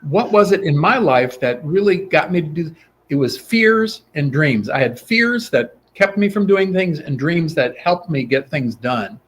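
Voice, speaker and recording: A man's voice: a little high, measured pace. A middle-aged man, a guest sword swallower, telling stories in a casual interview and acting out the dialogue he quotes. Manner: animated, acts out quoted dialogue.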